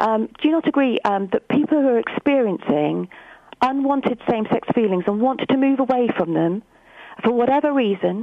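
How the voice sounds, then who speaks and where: The speaker keeps a moderate pace with lively intonation and very even loudness, against noticeable background noise. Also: woman, high pitch for a woman. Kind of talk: interview.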